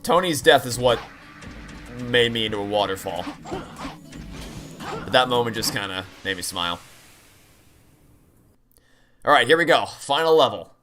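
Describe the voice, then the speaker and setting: This medium-pitched, slightly bright voice belongs to a man streaming a game; he's animated yet a little slow, leaving long pauses. His casual livestream talk and game commentary ramble on with dry sarcastic asides, and game music plays behind him.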